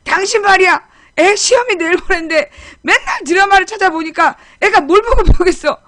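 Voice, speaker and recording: A woman voicing her husband as he loudly accuses her over their daughter. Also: very high voice, brisk, no room sound, studio quality, voice pushed up. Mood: accusing. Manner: loud, accusing. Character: nagging middle-aged husband scolding his wife.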